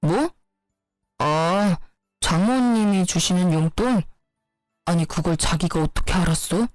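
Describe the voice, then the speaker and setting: A woman voicing a defensive young husband who answers flatly and matter-of-factly, in a storybook drama. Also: lowish voice, a little slow, no room sound, soft background music, natural voice, poor audio. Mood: unbothered. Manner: flat, matter-of-fact replies.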